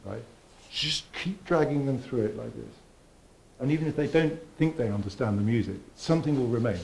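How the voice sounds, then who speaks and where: A man teaching a viola masterclass, coaching a student with lively encouragement and sung phrases. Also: medium pitch, fairly quick, gravelly, slight background noise. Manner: animated, sings phrases and encourages. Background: viola and piano playing.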